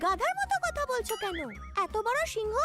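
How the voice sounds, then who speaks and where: An excitable cartoon sidekick with an extremely high, swooping voice. She is fawning and eager to please, with loud music behind her. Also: brisk. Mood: scolding. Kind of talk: children's cartoon dubbing.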